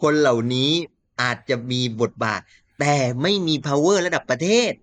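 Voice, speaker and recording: A man talking politics in a casual chat, animated and laughing often. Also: on the high side, normal speed, no echo, faint music behind. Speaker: political commentator.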